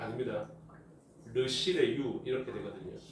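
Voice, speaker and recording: A man's lively intonation at a moderate pace, amid audible room echo and noticeable background noise. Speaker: pastor. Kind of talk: sermon.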